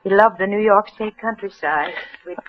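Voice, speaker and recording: An actress playing a tearful young widow who halts and rambles, in 1940s radio acting on a muffled old broadcast. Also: female voice, mid-range voice, moderate pace, natural voice. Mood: grieving.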